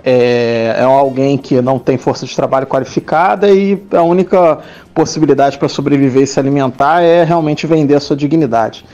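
A man's voice: mid-range voice, steady tone, normal speed, warm tone. A man sending a sarcastic, insulting voice message. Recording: dull lo-fi voice message.

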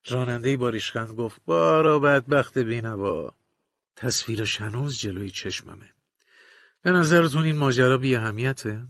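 A man narrating a first-person audiobook in a measured, confessional, colloquial manner, recorded close to a studio mic. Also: mid-range voice, no echo.

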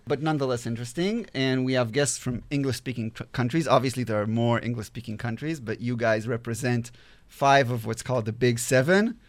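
A man hosting a panel podcast, talking in an upbeat, halting way with fillers and restarts. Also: mid-range voice. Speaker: podcast host.

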